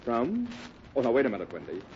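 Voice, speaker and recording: A man's voice: medium pitch, wildly swooping pitch, quick pace, a little mellow. A man playing a good-natured, folksy cowboy straight man in a 1950s radio Western. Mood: bemused, good-natured. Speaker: cast announcer and straight man. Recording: muffled noisy 1950s radio broadcast.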